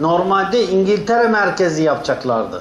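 A man with a high pitch and ordinary pitch variation talks at a moderate pace, with audible room echo and light background noise. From Turkey, Izmir region; Turkey. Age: 50s. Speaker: Sufi sheikh. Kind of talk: religious talk answering audience questions. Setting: dervish lodge gathering with audience. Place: home room. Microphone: lapel.

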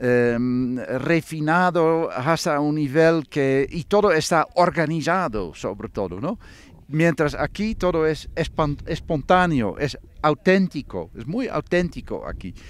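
A man with a Dutch accent speaks very slowly in a fairly high pitch, his intonation lively and the sound dry with no echo. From Netherlands. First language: Dutch (speaking Spanish). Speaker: foreign tourist and interpreter; interviewee. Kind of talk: interview. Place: open country. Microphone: handheld.

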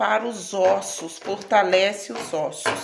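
A woman's voice over light background noise. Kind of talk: casual cooking tutorial. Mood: cheerful, playful. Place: kitchen. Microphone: phone near.

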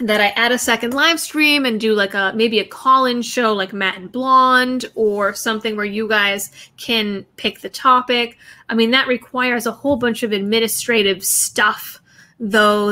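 A woman with a bright, sharp tone speaks with fairly even intonation. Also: moderate pace. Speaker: live streamer. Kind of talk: casual live stream chat. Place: home room. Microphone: webcam.

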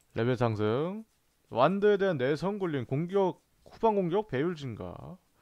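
A man with a fairly high voice speaks at a fairly slow pace in an animated tone, his pitch swinging very widely. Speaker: game streamer. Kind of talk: casual gameplay commentary. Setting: recorded at home, playing a video game. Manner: talks to himself, informal, animated.

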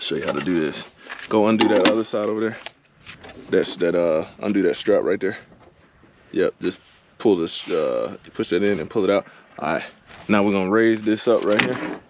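With long, frequent pauses at a moderate pace, the voice has a dry sound with no echo over noticeable background noise. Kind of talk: casual instructions. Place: open country. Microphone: phone near.

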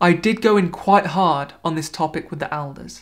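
The background is quiet. A man is speaking. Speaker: former member commenting on religion. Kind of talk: commentary to camera. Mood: earnest, critical. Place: home room.

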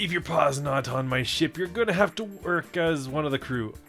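Over clear background music, a man uses a raspy, put-on character voice with a fairly high pitch at a moderate pace. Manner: gruff, commanding.

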